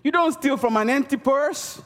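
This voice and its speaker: A very high-pitched, fairly bright voice preaches at a moderate pace, its sound reverberating around a church hall. The man stresses his message emphatically, repeating key words for effect and calling for audience response from the congregation.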